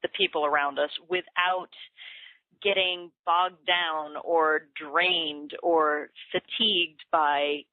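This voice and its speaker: A woman's voice: deep voice, steady tone, takes it slowly, dry recording. A woman hosting a conversational interview, speaking over a telephone. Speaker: interview host. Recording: thin phone-like line.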